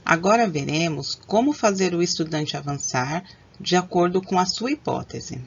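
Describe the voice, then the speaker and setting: A woman presenting a teacher-training session, explaining things in a measured, prepared way. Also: on the low side, gravelly, slightly rough, lo-fi sound.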